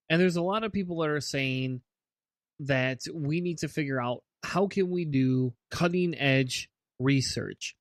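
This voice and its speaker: A man's voice: mid-range voice, no echo, clean studio sound. A man co-hosting a podcast in casual chat, earnest and often restarting his sentences with repeated words. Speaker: podcast co-host.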